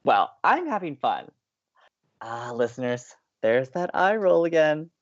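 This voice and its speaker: A man's voice: fairly high pitch, very animated, measured pace, highs cut off. A young man playing an upbeat, romantic-minded college radio co-host in an audio drama, earnest, playful and teasing. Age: young adult. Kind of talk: scripted audio drama banter.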